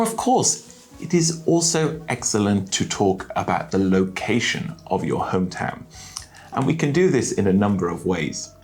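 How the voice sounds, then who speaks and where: A male English teacher talks with a lively, swinging pitch and keeps heaping praise on each phrase he teaches. He speaks clearly and deliberately, like a tutor guiding learners. Soft music plays faintly underneath. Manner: enthusiastic, heaps praise on phrases. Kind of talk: spoken English lesson.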